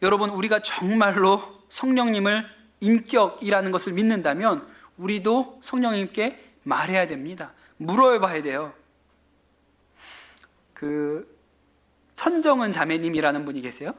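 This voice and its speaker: A male pastor preaching to his congregation in a church. His pitch swings widely as he acts out little quoted exchanges. He sounds lively and expressive throughout. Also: a little slow. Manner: animated storytelling with acted-out quotes. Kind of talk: sermon. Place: church sanctuary.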